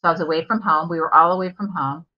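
A woman's voice: on the low side, fairly even intonation, fast talker. A middle-aged woman, a life coach, telling her personal story openly and earnestly as a podcast guest. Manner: open and earnest, with fillers. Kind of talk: candid interview storytelling. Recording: dull lo-fi remote audio.

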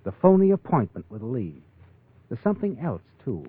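In a 1940s radio drama, a male actor plays a sly, ominous narrator who taunts a guilty man with insinuating tag questions. His husky, mid-range voice has a sing-song lilt at a moderate pace, and the mood is insinuating. The recording sounds like a tinny vintage radio broadcast, with dramatic music behind him.

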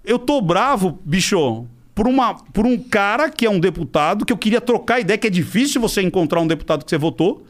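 Animated Brazilian man with lively pitch. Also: fairly quick, hardly any pauses. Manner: animated, acts out quoted voices; swears freely. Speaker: interview guest. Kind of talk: casual storytelling chat.

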